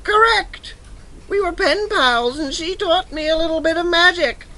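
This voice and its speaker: Wicked, vain young-royal villainess for fantasy audio play; extremely high, sharp voice, theatrical menace. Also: female voice, measured pace, full character voice, poor audio. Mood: gloating. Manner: gloating, threatening, theatrical. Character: evil vain scheming princess wearing a wicked witch's head. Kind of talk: audio drama acting.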